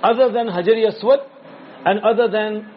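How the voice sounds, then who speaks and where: A high-voiced man with a South Asian accent gives an informal religious lesson. He instructs repetitively, often checking that people follow. The recording is dull and lo-fi, with some noise behind him. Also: moderate pace. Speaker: religious teacher. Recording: dull lo-fi sound with background noise.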